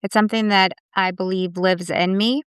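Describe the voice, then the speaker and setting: Woman guest, reflective storyteller, very smooth and clear voice, dry close mic. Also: mid-range voice, fairly even intonation, moderate pace, no room sound. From United States. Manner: reflective, storytelling with many "like" fillers. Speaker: guest, immigration attorney. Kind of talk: casual interview conversation.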